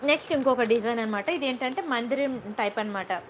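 On a chatty live stream, a high-pitched woman sells jewellery, talking fast in Telugu laced with English words and phrases. She greets viewers by name warmly and repeatedly checks in with "okay?", all over background noise.

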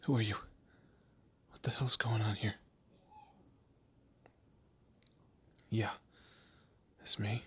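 A man acts out a scared young captive of a vampire in an audio roleplay. His voice is very husky and breathy, and he speaks slowly and haltingly, stammering as he pleads. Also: on the low side, fairly bright tone, heavily acted. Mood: hurt, bewildered. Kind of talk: amateur audio roleplay drama, one-sided dialogue.

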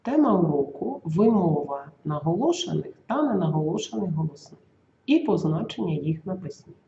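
Lively teacher voice in a roomy room. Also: mid-range voice, vocal fry, slight background noise. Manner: slow, careful enunciation of example sounds and words. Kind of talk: school video lesson. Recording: roomy, slightly dull recording.

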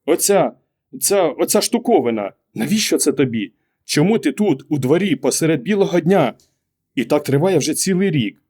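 A man's voice: a little high, very animated, a little fast, a little mellow, voice pushed up. A man reading an audiobook, raising his voice to play an anxious, exasperated wife who keeps pressing her husband with questions. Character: anxious middle-aged wife, exasperated and pleading. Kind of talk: audiobook character voice.

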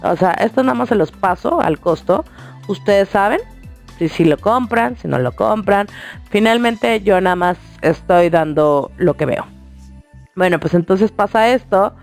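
A woman's voice: medium pitch, a little slow, vocal fry, a little mellow, soft background music. A woman with a Mexican accent, hosting a radio show and chatting casually, telling a long personal story straight to her listeners. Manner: chatty, colloquial, addresses listeners directly.

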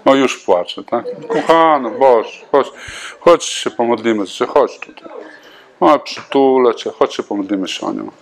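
A man's voice: medium pitch, measured pace, vocal fry. A man serving as pastor, leading prayer and talking informally at the close of a church seminar, calling people up by name. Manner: warm, informal, calls people forward by name. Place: church gathering.

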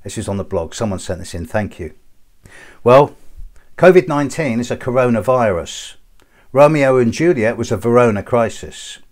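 A man's voice: medium pitch, expressive, normal speed, darkish tone. A middle-aged man, an astrologer, chatting casually to his viewers and telling jokes with relish. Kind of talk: casual chat to camera.

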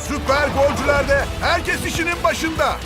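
An eager cartoon co-commentator with a very high voice. He adds quick analytical remarks on the match with loud music behind him.

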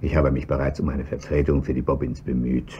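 A man's voice: rumbling low, little pitch movement, brisk, mellow. An actor playing a self-satisfied wealthy pharmacist and businessman, jovial and chuckling, in a radio drama. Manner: jovial, chuckling, pleased with himself. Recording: dull lo-fi recording, faint hiss.

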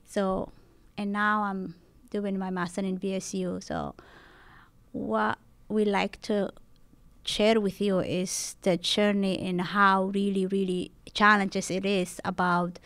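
A young woman, a graduate student, giving a panel presentation in halting second-language English. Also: medium pitch, little pitch movement, fairly bright tone, dry recording.

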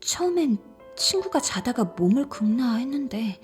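An actress playing a frightened young woman who recounts a ghost story in an intimate, suspenseful audio drama style, conversational and at times hushed. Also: a little high, big pitch swings, moderate pace. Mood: hushed, uneasy. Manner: conversational, suspenseful, drops toward hushed whispers. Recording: background music under the voice.

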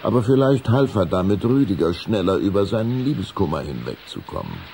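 A man's voice: deep voice, sing-song, fairly quick, vocal fry, darkish tone, a little hiss or hum. A man narrating a scripted children's story for a radio play.

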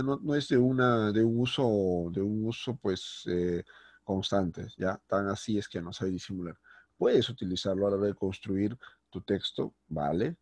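A male secondary school teacher gives a recorded grammar lesson, explaining step by step and often checking in with quick tag questions. His voice is lowish with a darkish tone, and there's no room sound.

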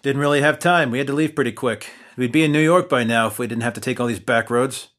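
A man's voice: medium pitch, quick pace, a bit bright. A young man narrating his character's story in a tabletop game. His delivery is dry and a little exasperated. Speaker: player narrating as main character.

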